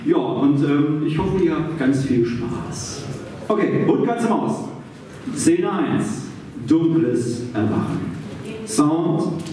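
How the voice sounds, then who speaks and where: A man's voice: fairly high pitch, animated, slow, dark tone, far from the mic. A man on stage as narrator, reading scene and sound directions aloud to an audience. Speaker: performer and narrator. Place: theatre stage before an audience. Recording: echoey stage PA heard from afar, noisy.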